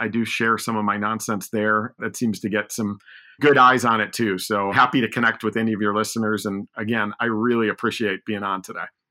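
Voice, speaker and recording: A man talks at a fairly quick pace in an unremarkable speaking voice with a medium pitch. The recording is very clean, with a silent background. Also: hardly any pauses. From US Midwest, Chicago. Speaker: sales executive and author. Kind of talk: podcast interview.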